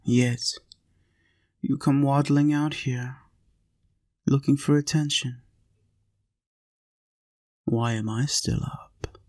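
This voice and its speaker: A roleplay audio performer with a medium-pitched voice speaks slowly and evenly in an intimate scripted piece. He plays a lonely, tender male vampire who has lived for centuries in a castle.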